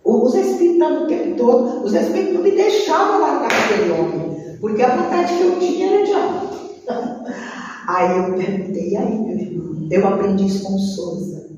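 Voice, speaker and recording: A woman with a Brazilian Portuguese accent tells a personal life story to a group, in a lively way, often talking straight to her listeners. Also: a little high, moderate pace, a little hiss or hum. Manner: lively storytelling, addressing the audience directly. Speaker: speaker sharing a life testimony. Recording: echoey hall, mic far off, dull sound.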